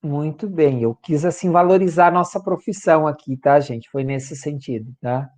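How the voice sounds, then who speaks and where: A man's voice: a little high, normal speed, a little mellow. A male law professor with a Brazilian Portuguese accent, giving a classroom lecture and checking in with students after nearly every point. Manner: checks in constantly with "tá, gente?" tag questions.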